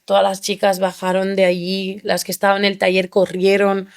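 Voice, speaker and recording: A young woman from Spain, a podcast guest, telling her story in an animated way and acting out the people she quotes. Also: mid-range voice, normal speed, clear, resonant tone. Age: young adult. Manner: animated, acts out quoted voices. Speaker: interview guest.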